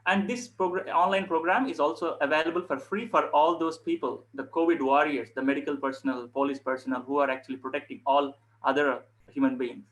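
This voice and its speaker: A man giving an informal instructional talk as a yoga instructor, speaking earnestly in short, halting phrases to online viewers. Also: fairly high pitch, steady tone, fairly bright tone, low-quality recording.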